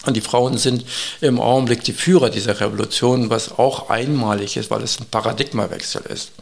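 A man answering interview questions as an expert guest, earnest and urgent, with measured phrasing and frequent hesitations. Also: medium pitch, fairly even intonation, vocal fry.

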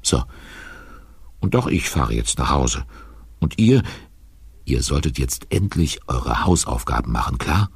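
Very deep, husky storybook narrator. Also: male voice, very animated, unhurried, pauses often, no room sound, exaggerated voice. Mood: cosy, teasing. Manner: chatty, mock-grumbling, addresses listeners directly. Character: avuncular male narrator of a children's witch story. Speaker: narrator of a children's audio drama. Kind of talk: playful storybook narration addressed to children.

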